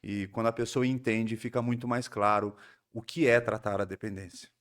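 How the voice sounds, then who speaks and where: Um homem, convidado de um podcast, conta com seriedade e reflexão sua história de recuperação, com sotaque do interior paulista e muitas pausas e recomeços. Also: male voice, lowish voice, steady tone, a bit bright. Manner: earnest, reflective storytelling with frequent restarts. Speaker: psychoanalyst guest. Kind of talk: personal recovery story in a podcast interview.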